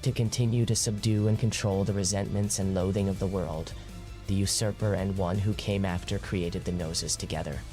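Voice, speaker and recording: Actor as a solemn, lower-pitched fantasy narrator. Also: male voice, steady tone, normal speed, mellow, soft background music, natural voice. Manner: solemn, formal. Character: solemn male lore narrator in a fantasy game. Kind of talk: scripted narration.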